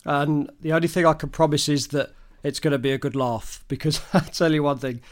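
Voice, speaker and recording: Slightly croaky man hosting a podcast. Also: on the high side, steady tone, fairly quick. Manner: chatty, upbeat, friendly promotional. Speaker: podcast host. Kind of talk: casual solo wrap-up talk.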